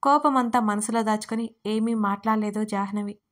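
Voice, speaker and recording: A woman who writes and narrates her own audio stories, in a steady, expressive storytelling style. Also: mid-range voice, normal speed.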